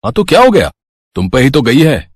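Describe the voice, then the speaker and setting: A man's voice: mid-range voice, huge pitch swings, a little fast. A man voicing an easygoing, teasing middle-aged father and husband in a storybook tale. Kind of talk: storybook voice acting.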